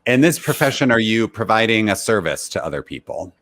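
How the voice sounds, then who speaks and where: A man with a low voice and animated intonation plays a guessing game as a contestant. He asks casual questions and backs up the others agreeably. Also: fairly quick.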